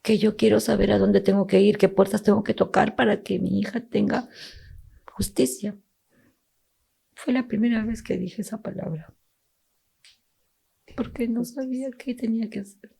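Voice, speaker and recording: A woman's voice: mid-range voice, steady tone, normal speed, vocal fry, pauses often, warm tone, breathy edge. A middle-aged woman from Peru, a grieving mother, gives an emotional testimony as a podcast guest, reenacting what officials told her. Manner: emotional, quotes officials in tense voices.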